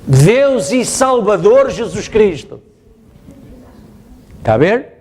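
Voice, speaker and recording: A man's voice: high voice, very animated, slow pace, darkish tone, a little hiss or hum. A male pastor with a European Portuguese accent, preaching emphatically and repeating his phrases. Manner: emphatic, repeats phrases, asks the congregation "está a ver?". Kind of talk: sermon. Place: church.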